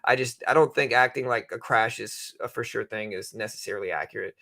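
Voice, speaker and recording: Bright-voiced man in casual market livestream commentary. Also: lowish voice, a little fast, creaky. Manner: informal, conversational, explanatory, hedging both sides. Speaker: livestream host and stock trading commentator.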